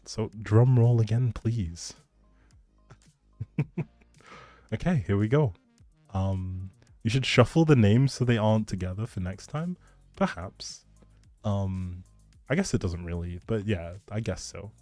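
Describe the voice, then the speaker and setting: Mellow, low-voiced man chatting on stream. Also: lively intonation, slow, long pauses, no echo, soft background music. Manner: chatty, rambling, informal. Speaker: livestream host. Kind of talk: casual livestream chat, giveaway announcing.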